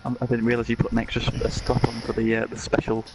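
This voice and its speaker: A man's voice: mid-range voice, completely flat delivery, quick pace. A man answering casual post-race questions as a racing driver over a noisy voice chat. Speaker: racing driver being interviewed.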